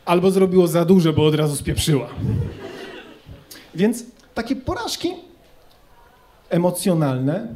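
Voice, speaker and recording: Dark in tone yet on the higher side, a young adult man's voice carries an ironic, chatty stand-up routine. He's on a student club stage with a handheld mic, performing for an audience.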